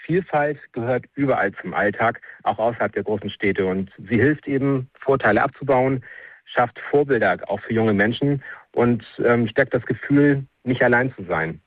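A man in his forties speaking earnestly, pausing now and then with fillers. His voice comes over a narrow, tinny phone line and sounds dry. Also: lowish voice, slightly rough, no echo. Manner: earnest, a little hesitant. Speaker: association chairman.

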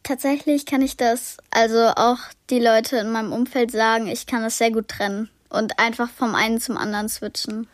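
A northern German teenage girl answers as a studio guest, a little hesitant as she searches for words. Her voice is fairly high and dry. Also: fairly even intonation, moderate pace, few pauses, dry recording. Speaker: studio guest, radio drama voice actor.

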